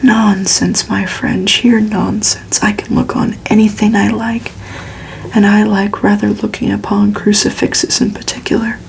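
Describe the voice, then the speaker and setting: A worldly, courteous male vampire, played by a woman, speaks in a breathy storybook whisper. He is slow, teasing and deliberate, with a faint creak and little pitch movement. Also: flat delivery, slight background noise, rough recording. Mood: dismissive, amused. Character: worldly, amused, courteous male vampire telling his life. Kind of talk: whispered ASMR storybook reading.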